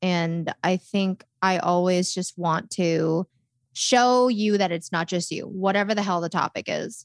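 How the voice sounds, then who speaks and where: A woman with an unremarkable speaking voice talks at a fairly slow pace and medium pitch, using fairly even intonation with an American accent in a dry, close sound with no echo. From Illinois, US Midwest. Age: 20s. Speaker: content creator and podcaster. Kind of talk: casual interview chat.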